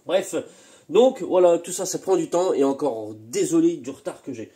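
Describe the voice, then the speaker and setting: Hosting his laid-back workshop channel as a moped engine tuner, a man speaks while still slightly congested from a cold. His voice is a touch high, expressive and mellow at a moderate pace, and he rambles with frequent hesitations and repetitions.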